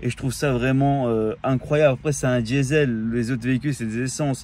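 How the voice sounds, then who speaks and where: A man of medium pitch talks at a fairly quick pace with fairly even intonation. Noticeable background noise is present. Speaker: car import vlogger. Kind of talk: casual vlog to camera. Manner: loud; hesitant with many fillers.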